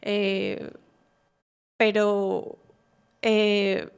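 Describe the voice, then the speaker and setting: A woman tells her personal story of faith as a talk show guest. She speaks earnestly at a mid pitch, pausing often and restarting her sentences as she searches for words. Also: steady tone, gravelly, smooth. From Colombia. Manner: halting, many fillers and restarts, earnest. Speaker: guest giving a testimony.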